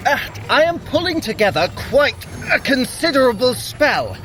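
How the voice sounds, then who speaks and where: An actor playing a vain, sardonic trickster god and sorcerer in a theatrical, wry audio adventure style. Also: male voice, very high voice, big pitch swings, moderate pace, bright, forceful tone, exaggerated voice, rough recording. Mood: proud, defensive. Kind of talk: scripted audio adventure acting.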